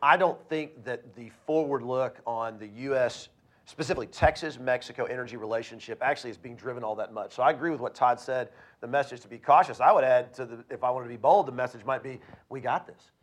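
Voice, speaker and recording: A man on a panel, talking in a quick, upbeat way and often correcting himself mid-sentence. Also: medium pitch. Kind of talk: panel discussion.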